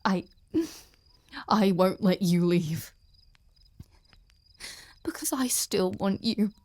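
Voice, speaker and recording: Female performer as possessive ice queen general for intimate audio drama; medium-pitched, unhurried, intense, breathy and halting, cruel with a wounded edge. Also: darkish tone. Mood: angry, possessive. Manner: halting, slow, intense, often dropping to a breathy whisper. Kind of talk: dramatic audio roleplay addressed to the listener.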